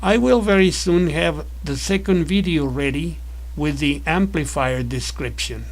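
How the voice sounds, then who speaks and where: A man narrating a scripted electronics tutorial as an instructor, explaining in a measured, methodical way. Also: a little high, low-quality recording.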